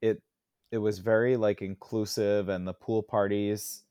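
A man's voice: lowish voice, little pitch movement, unhurried, mellow, clear, resonant tone, no echo, clean studio sound. A man co-hosting a casual podcast, easygoing and restarting his sentences often. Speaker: podcast co-host.

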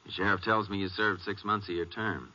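An actor playing a stern, steady Texas Ranger in a 1950s western radio drama, speaking firmly and with clipped authority. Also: male voice, low voice, fairly quick. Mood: calm, probing. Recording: dull old radio recording, reverberant.

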